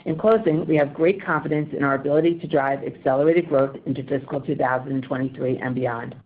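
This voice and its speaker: Formal woman on a tinny phone line. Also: sits low. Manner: formal, measured. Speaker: company financial executive on earnings call. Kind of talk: scripted financial report reading.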